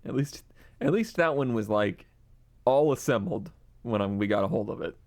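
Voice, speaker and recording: A man co-hosting a relaxed podcast, chatting about cheap project cars. He jokes around and laughs easily, in a voice of ordinary pitch. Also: normal speed. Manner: joking, laughs often. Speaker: podcast co-host.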